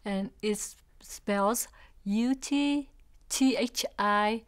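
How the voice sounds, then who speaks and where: A woman in her sixties from South Vietnam with a Vietnamese accent, recalling family history in an interview, halting as she searches for words. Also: mid-range voice, clean tone. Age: 60s. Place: indoor studio with backdrop.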